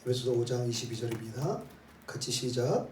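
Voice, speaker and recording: A man's voice: medium pitch, brisk, crowd noise. A man, a pastor, preaching a sermon and leading his congregation through scripture, peppering his points with rhetorical questions and "eh?" tags. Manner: leads the congregation in reading scripture aloud. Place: church sanctuary. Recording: roomy hall, voice from some distance, faint ambience.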